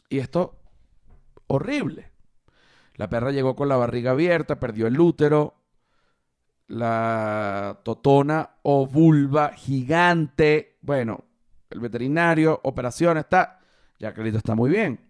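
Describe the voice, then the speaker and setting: A man's voice: mid-range voice, darkish tone. A man hosting a podcast, telling a story in a casual, profane monologue full of joking digressions. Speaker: podcast host.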